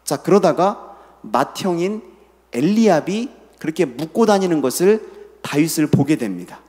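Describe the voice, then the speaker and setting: A man's voice: a little high, sing-song, normal speed, a little mellow. A middle-aged man preaching a sermon as senior pastor, leading the congregation in reading scripture and asking them questions. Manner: asks the listeners questions. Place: church sanctuary. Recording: long hall reverb.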